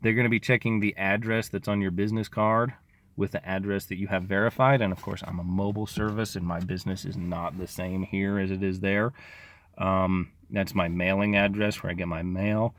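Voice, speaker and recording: A man's voice: deep voice, flat delivery, fairly quick. A locksmith talking casually to his viewers, rambling with lots of fillers, tired and losing his voice from getting sick. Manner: rambling, informal, frequent fillers. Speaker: locksmith sharing business advice. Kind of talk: casual talk to camera.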